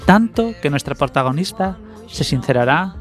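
A man's voice: fairly high pitch, animated, moderate pace, soft background music. Man narrating a wry TV recap. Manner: wry, chatty storytelling. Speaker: video narrator.

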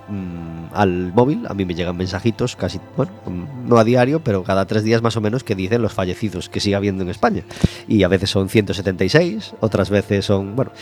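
A man hosts a radio interview in an easy, chatty way. His voice sits on the low side. Faint music plays softly behind him. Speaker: radio host.

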